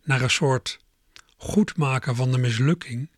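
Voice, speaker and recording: A middle-aged man reading a first-person story aloud in a calm, measured, reflective manner. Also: medium pitch, dry recording, studio quality. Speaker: narrator.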